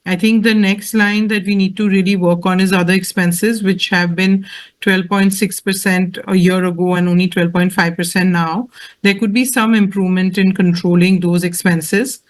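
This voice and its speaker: A company executive with a measured, explanatory way of talking, answering questions on an earnings call. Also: medium pitch, level tone.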